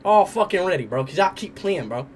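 A man's voice: high-pitched, sing-song, brisk, slight background noise. A young man livestreaming on a headset mic in an indoor room, talking casually and hesitantly, often repeating the same word. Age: young adult. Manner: hesitant, repeats words over and over.

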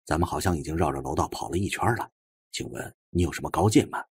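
A man's voice: a bass voice, a little mellow, breathy edge, pitched below the performer's own voice, exaggerated voice. A man voicing a composed, polite man who speaks with a teacher's patience. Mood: calm, patient. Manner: unhurried, courteous, composed.

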